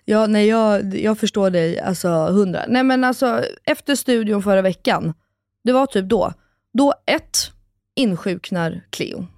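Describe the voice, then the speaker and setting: A woman, co-hosting a casual podcast and telling stories in an animated way, acting out quotes and swearing casually. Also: mid-range voice, no echo, clean studio sound. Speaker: podcast co-host. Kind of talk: casual chat.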